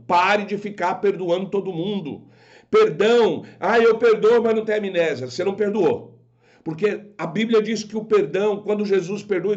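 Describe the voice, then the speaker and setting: A man's voice: high-pitched, dull audio. A man preaching to an online audience, emphatic, repeating rhetorical questions and mimicking the people who disagree with him. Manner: quotes imagined objectors in put-on voices.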